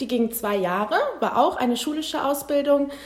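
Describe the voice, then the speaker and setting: A woman's high-pitched voice with audible room echo and noticeable background noise. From Hameln, Lower Saxony, Germany. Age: 20s. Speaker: podiatry trainee. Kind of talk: casual interview. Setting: podiatry practice. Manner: hesitant, many fillers.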